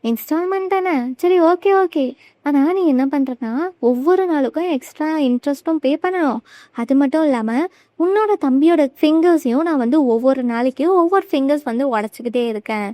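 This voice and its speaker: A woman's voice: sits high, a little fast, mellow, dry recording, lightly acted. A woman voicing a cruel male loan shark who mocks and threatens in a retold drama. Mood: mocking threat. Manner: mocking, threatening.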